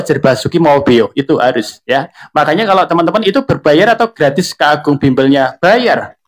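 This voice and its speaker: A young man with a Central Javanese Indonesian accent, an online tutor talking casually on a live stream, chatty and full of fillers. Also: fairly high pitch. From Central Java. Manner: chatty, filler-heavy, addresses viewers often.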